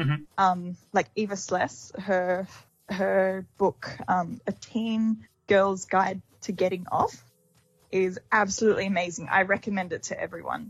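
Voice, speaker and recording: At a fairly slow pace, a woman with an Australian accent speaks somewhat breathily at medium pitch with fairly even intonation. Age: 20s. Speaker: sex worker. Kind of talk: casual chat.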